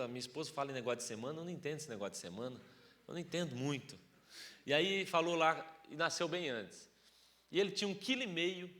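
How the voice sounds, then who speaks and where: A Brazilian man preaching a sermon, telling a personal story and swinging from hushed, quiet passages to loud, fervent outbursts. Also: a little high. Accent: Brazilian Portuguese. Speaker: pastor. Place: church sanctuary.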